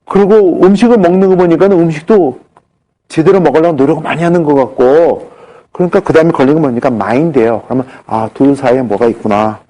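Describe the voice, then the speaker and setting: A man giving a spoken health lecture, telling anecdotes in an animated way. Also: fairly high pitch, quick pace. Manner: animated storytelling.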